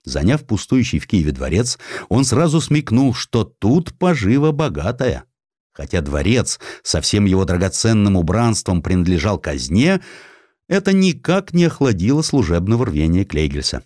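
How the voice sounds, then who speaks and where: Male narrator for historical prose: lowish voice, very varied delivery, wry and theatrical, close dry studio sound. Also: big pitch swings, moderate pace, a little mellow, dry recording. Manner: wry, theatrical storytelling with acted quotes. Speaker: audiobook narrator. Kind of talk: expressive dramatized narration of historical sketches.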